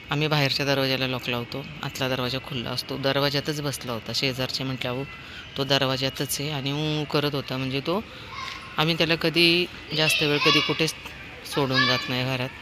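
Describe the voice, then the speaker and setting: A woman's voice: sits low, background noise. A middle-aged woman talking casually about her dog and coaxing him home, outdoors near her building. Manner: coaxing, scolding the dog in a raised sing-song voice. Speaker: dog owner.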